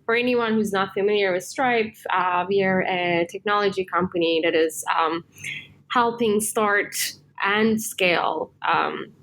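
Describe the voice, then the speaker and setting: A woman's voice: mid-range voice, measured pace, fairly bright tone, poor audio. Woman, 30s, Turkish native speaker, hesitant interview guest, faint background noise. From Turkey. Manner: hesitant, many fillers and restarts. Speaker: guest, tech executive. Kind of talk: casual interview answers.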